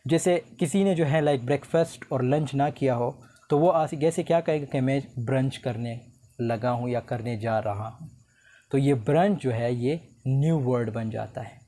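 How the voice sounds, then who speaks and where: Speaking in a mid-range voice, this teacher delivers a recorded lecture, reading out English definitions at a slow pace before talking through each one casually.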